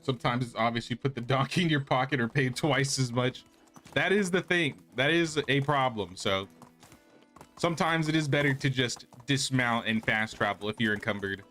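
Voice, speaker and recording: A man streaming a game chats casually and meanders as he plays, voicing his thoughts in real time. He speaks at a moderate pace in a medium, slightly bright voice, and game music runs behind him.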